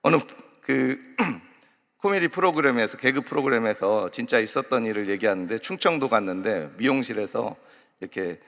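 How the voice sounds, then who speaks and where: Male pastor, gravelly voice, chatty sermon style with light anecdotes, recorded with long reverb in a large church. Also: mid-range voice, expressive, normal speed, a bit bright. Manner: conversational, explaining and telling lighthearted anecdotes. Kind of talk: early morning sermon.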